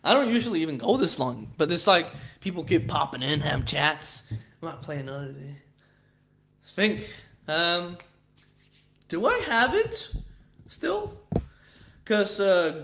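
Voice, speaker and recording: A man's voice: a little high, sing-song, unhurried, vocal fry, fairly bright tone. A man with a Swedish accent chatting casually with viewers on a livestream, rambling and swearing, with frequent restarts. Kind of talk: casual chat.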